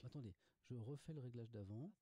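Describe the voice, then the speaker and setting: A man hosting a live stream in a halting, stammering chat, heard as a delayed echo of his own voice from the stream playback. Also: mid-range voice, mellow. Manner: halting, repeats his words and restarts.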